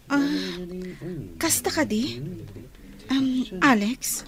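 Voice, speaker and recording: An actress playing a gentle young woman working at a small eatery, soft-spoken. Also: sits high, extremely slow, crowd noise. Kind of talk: Ilocano radio drama acting.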